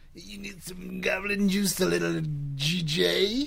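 At a fairly slow pace, the speaker uses a put-on character voice. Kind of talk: street-dealer pitch. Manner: shady, hustling salesman.

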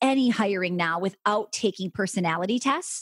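The sound is dry and close with no echo, on a very clean recording with a silent background. The speaker has an American accent, a somewhat breathy voice, lively intonation and a moderate pace. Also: woman. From Wisconsin. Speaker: business owner and coach. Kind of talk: interview.

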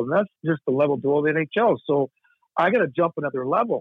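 In a plain, everyday voice, a man talks at a fairly quick pace with a fairly high pitch. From Nova Scotia, Canada. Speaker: former hockey goaltender. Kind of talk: interview.

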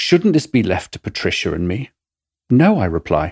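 In an English accent, a man speaks on a very clean recording with a silent background and a dry, close sound with no echo. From Britain. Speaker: podcast host. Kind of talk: scripted narration.

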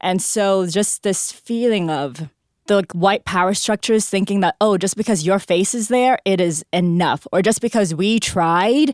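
In a normal speaking voice, a woman with an American accent talks at a medium pitch with ordinary pitch variation. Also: dry, close sound with no echo, very clean recording, silent background. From US, Vietnamese refugee family. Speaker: journalist. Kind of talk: panel discussion.

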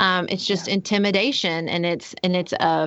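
Here a woman uses a normal speaking voice at a moderate pace. Her pitch is fairly low and her intonation fairly even. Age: 30s. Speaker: political podcast co-host. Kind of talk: casual chat.

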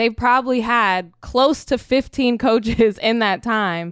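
Very slow, lively intonation from a woman with an American accent and a high pitch, in a very clean recording with a silent background and a dry, close sound with no echo. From Sacramento, California. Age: 20s. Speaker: sports podcast co-host. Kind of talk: casual chat.

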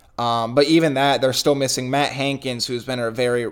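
In a monotone, flat intonation, a man talks at a moderate pace and a medium pitch. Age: 20s. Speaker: sports beat writer. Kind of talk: casual chat.

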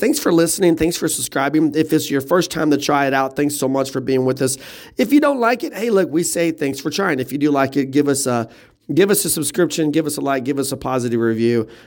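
At a fairly quick pace, a man talks with a slight Oklahoma accent. His pitch is fairly high, with ordinary variation. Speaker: college football podcast host. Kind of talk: solo sports analysis podcast. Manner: conversational, with fillers and repetitions.

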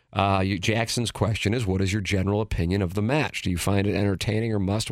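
A man's fairly low, plain, everyday voice, fairly quick and fairly even in intonation, on a very clean recording with a silent background. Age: 40s. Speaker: sports radio host. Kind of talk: casual chat. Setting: studio.

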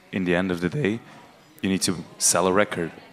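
Speaking with a Flemish accent at a very fast pace, a man with a very deep, low voice keeps his intonation fairly even. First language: Dutch. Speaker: podcast host. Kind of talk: live interview on stage. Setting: stage with audience.

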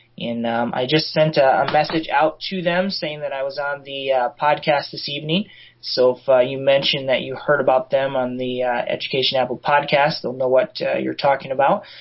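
There is noticeable background noise as a man speaks at a moderate pace with hardly any pauses. His pitch is fairly high and his intonation fairly even. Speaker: Google certified trainer and teacher. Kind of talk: casual chat.

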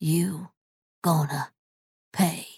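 In a put-on character voice, the speaker sounds strained, wheezy and raspy at a middle pitch. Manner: threatening.

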